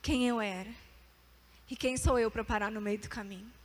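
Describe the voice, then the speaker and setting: High-voiced young woman preaching to youth. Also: moderate pace. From Brazil. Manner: animated, calls for amens and repeat-after-me. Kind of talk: sermon with testimony.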